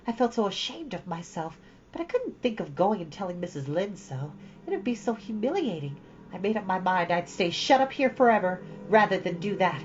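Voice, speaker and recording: A woman voicing an imaginative, talkative orphan girl who speaks in a high, gushing, dramatic way. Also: sing-song, fairly quick, a little mellow, faint music behind, natural voice. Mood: earnest. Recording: slightly dull lo-fi recording.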